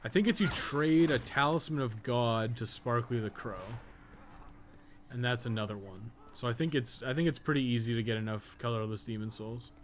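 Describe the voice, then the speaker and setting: A man's voice: medium pitch, normal speed. Rambling man over background noise. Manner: rambling, thinking aloud, casually profane. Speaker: game streamer and podcast co-host. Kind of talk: casual live gameplay commentary.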